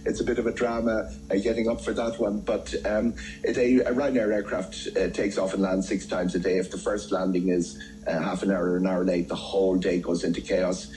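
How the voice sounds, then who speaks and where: Low, mellow, halting Irish man. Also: flat delivery, slight background noise, low-quality recording. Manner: halting, stop-start delivery with repeated words. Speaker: travel editor, studio pundit. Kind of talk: unscripted expert commentary in radio interview.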